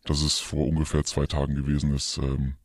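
A man on a comedy podcast playing an anonymous confessor through a distorted, pitched-down voice effect, hesitant and mock-solemn with many fillers. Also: completely flat delivery, a little fast, no room sound. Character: anonymous male confessor hiding his identity. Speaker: podcast co-host.

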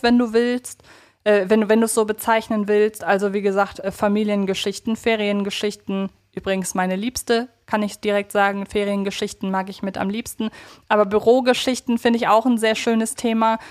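A woman co-hosting a casual fan podcast, chatty and thinking aloud as she rephrases her points. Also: mid-range voice. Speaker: podcast co-host.

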